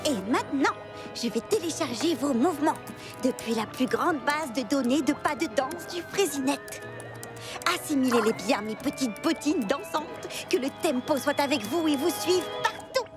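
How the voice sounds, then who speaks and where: Very high-pitched, boastful little cartoon girl. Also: lively intonation, normal speed. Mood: scheming. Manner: theatrical, exclaiming. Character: boastful, melodramatic little girl who loves dancing. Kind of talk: animated children's cartoon dub. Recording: music behind the voice.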